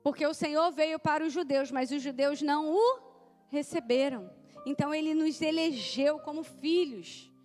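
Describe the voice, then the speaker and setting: A woman preaches a sermon in a high voice and talks straight to her listeners. She calls some of them by name and asks them to repeat her words. Soft music plays under her. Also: normal speed.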